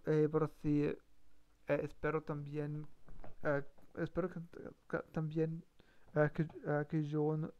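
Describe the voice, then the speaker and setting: A man's voice: on the high side, vocal fry. A man practicing on a live stream, hesitant, full of fillers and self-corrections. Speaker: language learner streamer. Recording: dull lo-fi stream mic.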